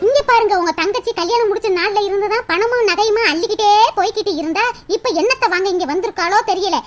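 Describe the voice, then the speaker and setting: A woman voicing a sharp-tongued young wife in a cartoon, scolding and sarcastic with mocking laughs. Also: very high-pitched, fast. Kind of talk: cartoon voice acting.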